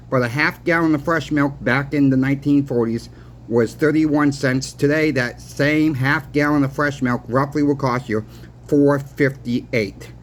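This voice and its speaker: A man talking casually to viewers as a plainspoken explainer, repeating his points and posing rhetorical questions. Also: a little high. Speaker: host of a coin and silver channel. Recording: clearly noisy background.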